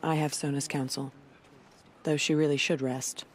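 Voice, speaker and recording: A woman's voice: low-pitched, flat delivery, normal speed, slight background noise, close to an everyday voice. A woman playing a stern, weary, proud tribal war leader in a video game cutscene. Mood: grave, resolute.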